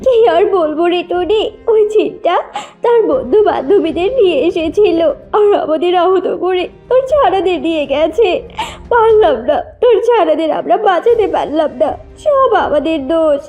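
A greedy cartoon vixen, put on by a woman, very high and animated. She is whiny, theatrical and two-faced, with faint music behind. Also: unhurried, dull audio. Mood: fake weeping. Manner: whining, theatrical. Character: deceitful female fox, mock-weeping, greedy. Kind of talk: children's cartoon voice acting.

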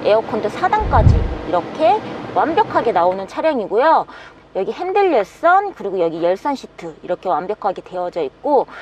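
A young woman presenting a used vehicle in an upbeat, polished salesperson's patter. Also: mid-range voice. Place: indoor parking garage, later inside truck cab. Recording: background noise in parking garage.

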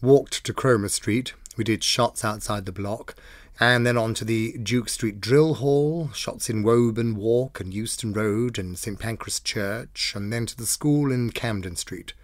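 A man's voice: lowish voice, a little slow, no room sound, clean studio sound. A man with a British accent giving a scripted, dramatic reading of diary entries. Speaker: diary reader. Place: dry studio.

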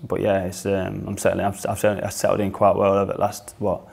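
A young footballer with a northern English accent speaks in a low, deep voice. His delivery stays flat and level, hardly rising or falling. He stumbles through fillers and restarts as he answers questions, seated in a small studio. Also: fast, gravelly, breathy edge. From northern England. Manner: hesitant, many fillers and restarts. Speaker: football player. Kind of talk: casual interview answers.

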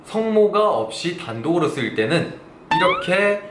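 Lively-voiced man teaching pronunciation. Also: high-pitched, reverberant, faint music behind. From South Korea. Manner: explains patiently, drawing out sample syllables slowly and loudly. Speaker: Chinese language teacher. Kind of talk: online language lesson.

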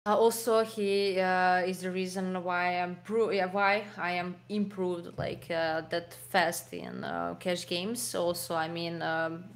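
A young woman with a Serbian accent, a poker pro answering interview questions over a video call, with many fillers and restarts. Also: lowish voice. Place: home room, video call. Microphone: desk mic, webcam framing.

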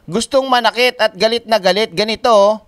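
A high-pitched man hosts a reaction commentary, mocking and laughing between lines. His voice sits well above most men's. Clear hiss and noise run under the recording. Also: a little fast. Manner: mocking, laughs often, swears. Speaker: commentary channel host.

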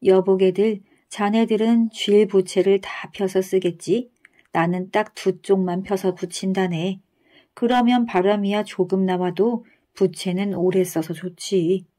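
A woman's voice: medium pitch, fairly even intonation, a little slow, mellow, lightly acted. A woman voicing a scoffing, stingy male miser from a folktale who tries to outdo his rivals.

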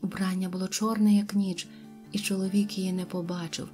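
A woman's voice: mid-range voice, level tone, fairly quick, darkish tone, faint music behind. A woman narrating an audiobook tale expressively, dropping to whispers at tense moments. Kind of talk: storybook narration.

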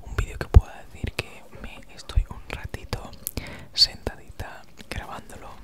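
A Spanish woman in her thirties, an ASMR creator, chats casually in breathy, unvoiced whispers right in your ear, with a noticeable S sound, at a moderate pace. She's in a small room at home, very close to a handheld recorder with a foam windscreen.

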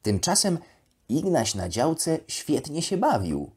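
A narrator plays a chatty, naive plush duck, a little lady of elegance telling a bedtime story for children. Her delivery is unhurried and full of lively swoops. The voice has a husky edge and a wondering, childlike manner. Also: mid-range voice, full character voice. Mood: chatty recounting. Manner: expressive, wondering, childlike asides.

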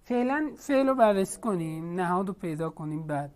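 A woman's voice: fairly low pitch, expressive, a little mellow. Woman teacher on an online class, asks students lots of questions, patient.

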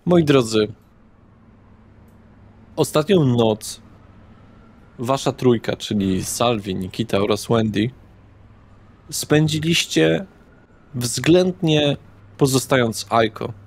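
A man narrating a tabletop horror roleplaying game as game master, in a deliberate manner with dramatic pauses. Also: medium pitch, lively intonation, breathy edge. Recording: background guitar music.

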